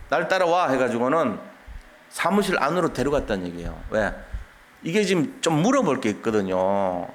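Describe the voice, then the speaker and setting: A man pastor delivers a sermon in a church, working through a Bible passage verse by verse. He speaks in a colloquial, conversational way and acts out the lines he quotes. His pitch moves up and down widely, sitting in a middle range for a man.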